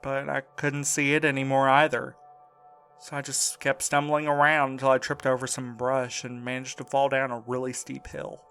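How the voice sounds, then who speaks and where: A man's voice: mid-range voice, monotone, moderate pace, fairly bright tone, clean tone, soft background music, natural voice. A man playing an exhausted, wry mail carrier in a naturalistic audio drama, talking in a weary, dry way. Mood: recounting, uneasy. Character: battered, exhausted young male mail carrier, wry and evasive.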